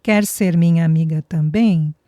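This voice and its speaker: A woman narrator voicing a friendly grown man who speaks gently and playfully. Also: low-pitched, a little slow, no echo, clean studio sound.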